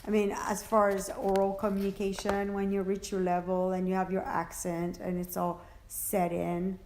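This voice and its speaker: A woman answering interview questions about her work as an interpreter, halting and searching for words, often restarting. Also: medium pitch, completely flat delivery, darkish tone, slight background noise. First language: French. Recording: echoey room.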